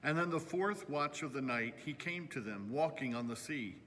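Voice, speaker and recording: A man, a pastor, reading the gospel solemnly and phrase by phrase in a measured delivery. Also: medium pitch, animated, a bit bright. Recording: long hall reverb, noticeable background noise.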